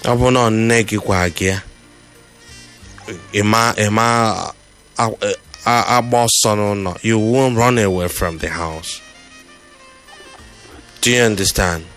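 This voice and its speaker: A Nigerian man with a fairly low voice speaks as a phone-in host. He counsels in a firm, instructive, repetitive way, with faint music playing behind him. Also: measured pace, pauses often, a bit bright. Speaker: phone-in show host giving advice. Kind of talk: conversational advice to a caller.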